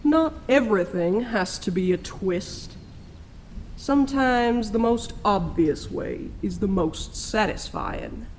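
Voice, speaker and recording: A performer playing a smug, theatrical spirit who speaks in deliberate, cryptic pronouncements in an audio drama. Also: mid-range voice, lively intonation, a little hiss or hum. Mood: smug, ominous. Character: smug, theatrical otherworldly spirit, a stranger at the crossroads.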